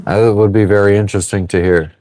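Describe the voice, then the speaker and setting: Talking fast in a lowish, mellow voice with fairly even intonation, a thirty-something man hosts a laid-back livestream aboard an anchored sailboat. He answers viewers' comments casually and swears a lot. No echo is present.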